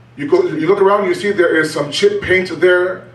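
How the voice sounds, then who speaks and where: Over noticeable background noise and audible room echo, a man is speaking. His pace is moderate and his intonation fairly even. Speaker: religious lecturer. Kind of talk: religious lecture.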